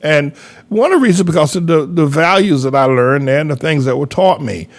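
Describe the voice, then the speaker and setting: A man's voice: fairly high pitch, brisk. An older man from North Carolina, preaching in an emphatic, repetitive, folksy way as a pastor giving commentary. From North Carolina, USA.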